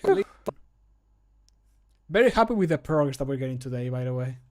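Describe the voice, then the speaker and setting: A man's voice: medium pitch, very animated, brisk, darkish tone. A man in his thirties chatting casually on a livestream from a home room, informal and self-deprecating. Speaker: streamer and amateur voice actor. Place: small home room, indoors.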